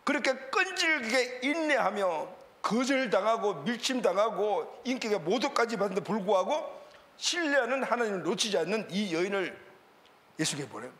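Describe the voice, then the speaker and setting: A man preaching a sermon as pastor, animated and calling out for amens from the congregation. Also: sits high, normal speed. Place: church sanctuary. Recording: reverberant church hall.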